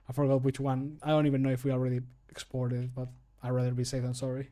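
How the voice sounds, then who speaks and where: A man's voice: medium pitch, completely flat delivery, fast talker, mellow. A man in his thirties chatting casually on a livestream, rambling and self-deprecating, with casual swearing. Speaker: streamer and game modder. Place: small room at home, indoors.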